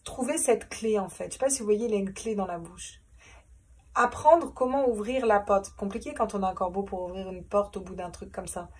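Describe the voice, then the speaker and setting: A woman's voice: mid-range voice, moderate pace, darkish tone, breathy edge, distant mic. A woman doing a casual tarot reading, chatty, repeating herself and laughing at her own jokes. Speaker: tarot reader.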